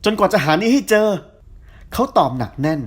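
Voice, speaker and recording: A woman's voice: medium pitch, sing-song, fast talker, husky, voice pushed up. A woman voicing an earnest young man who speaks firmly and politely. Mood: resolute. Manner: firm, polite statements.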